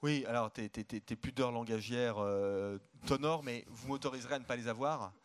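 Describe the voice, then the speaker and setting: A man's voice: mid-range voice, a little fast, clear, resonant tone. A man speaking as an economist guest in a live stage interview at a conference, outspoken and emphatic, often repeating words as he starts a thought. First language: French.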